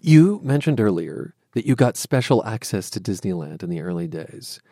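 A man from Southern California with an American accent, hosting a public radio interview in a measured, articulate way. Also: fairly low pitch, sing-song, mellow, dry recording, clean studio sound. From Southern California, USA.

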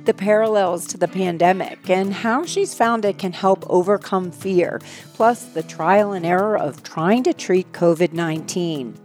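A woman's voice: on the low side, unhurried, a little mellow, faint music behind. An American woman hosting a public radio show, reading scripted introductions and putting questions to a guest. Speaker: radio host. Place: radio studio.

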